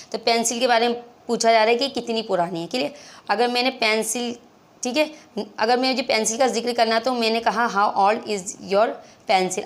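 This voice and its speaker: A woman with a South Asian accent and native Hindi-Urdu, teaching English in an instructive, repetitive way with frequent check-ins. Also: on the high side. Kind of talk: spoken lesson explaining English questions in Hindi-Urdu.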